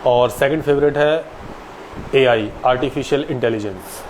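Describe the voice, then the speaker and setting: A man's voice: mid-range voice, measured pace, background noise. A man in his late twenties, an actor, answering viewers' questions casually and politely on a live stream. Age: 20s.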